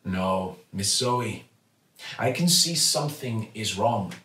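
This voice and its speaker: A man's voice: on the low side, animated, slow pace, fairly bright tone. Man acting out a kindly, sentimental shopkeeper. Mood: concerned. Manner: avuncular, emotional. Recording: roomy, slightly distant mic.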